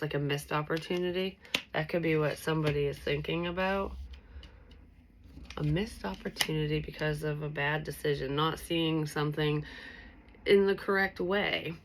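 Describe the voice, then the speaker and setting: A woman's voice: deep voice, a little hiss or hum. A woman giving a casual tarot reading to her viewers, sounding stuffy and nasal from allergies, rambling with lots of fillers. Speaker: tarot reader.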